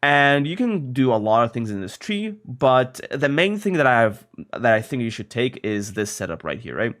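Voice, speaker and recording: A man's voice: medium pitch, very animated, normal speed, a bit bright. A young man, a little sick, casually explaining a video game strategy in a guide, tossing in lots of fillers and "right?". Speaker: gaming content creator.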